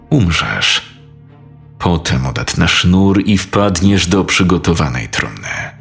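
A man voicing a cold, menacing dentist who torments his victims, speaking in a slow, measured way in a dramatized audio story. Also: fairly bright tone, exaggerated voice. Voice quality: deep gravelly, slow and measured. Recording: faint music behind.

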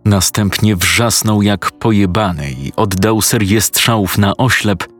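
A man with a lowish voice tells a first-person horror story, casual and crude, often poking fun at himself. Faint music plays under his narration. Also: unhurried. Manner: crude, casual, self-mocking.

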